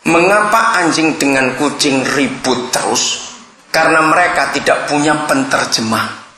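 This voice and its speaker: A man's voice: on the high side, a little slow, background noise. A man preaching a sermon, telling humorous stories and addressing his listeners directly. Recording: roomy echoing hall.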